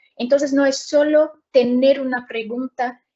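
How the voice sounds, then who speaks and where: Fairly even intonation in a Brazilian accent. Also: woman. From Brazil, São Paulo. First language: Portuguese (speaking Spanish). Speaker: nurse and researcher, webinar presenter. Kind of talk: webinar presentation. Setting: online webinar. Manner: halting, with filler sounds.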